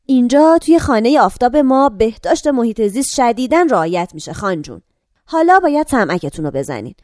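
A brisk, matter-of-fact care-home attendant voiced by an actress talks through an old woman's routine. Her voice is fairly high and lively, recorded close and dry. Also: no room sound. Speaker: caregiver.

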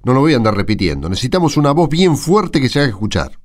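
An actor playing a frustrated, insistent rural neighbour in a radio drama, with an Argentine accent and emphatic delivery. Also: male voice, medium pitch, sing-song, fast talker, lightly acted. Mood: indignant, insistent.

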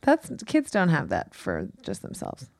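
A playful woman chatting on a podcast, her voice fairly low for a woman and her speech slow and unhurried. The sound is very dry and close, with no room echo. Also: wildly swooping pitch, gravelly. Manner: playful, laughing, guessing. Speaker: podcast co-host. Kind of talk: casual chat.

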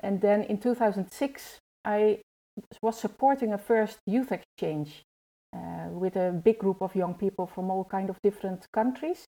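Mellow-voiced woman, hesitant. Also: medium pitch, moderate pace, poor audio. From Netherlands. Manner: hesitant, searching for words. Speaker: youth trainer and guest. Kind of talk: podcast conversation.

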